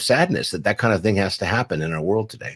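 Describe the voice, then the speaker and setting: Talking at a very fast pace with lively intonation and vocal fry, a man is heard on a very clean recording with a silent background. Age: 60s. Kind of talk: casual chat.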